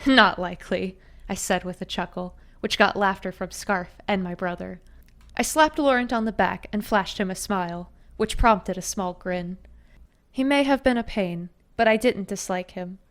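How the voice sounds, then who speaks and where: A woman narrating a first-person fantasy story in a steady, even storytelling manner. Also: mid-range voice, moderate pace.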